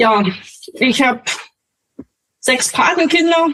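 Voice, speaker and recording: The woman's delivery is fairly slow. Her intonation stays lively. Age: 40s. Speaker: business owner, podcast co-host. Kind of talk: casual podcast conversation.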